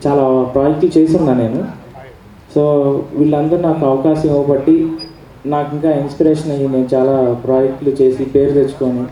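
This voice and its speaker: A man giving a soft, hesitant thank-you speech as an honored guest on an auditorium stage. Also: medium pitch. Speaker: honored music director. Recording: echoey hall from far off.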